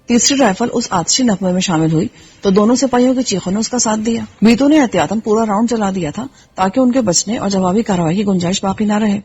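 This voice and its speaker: A woman reading a first-person action novel aloud in steady storytelling narration. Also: mid-range voice, a little hiss or hum. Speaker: audiobook narrator. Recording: slightly dull with faint music.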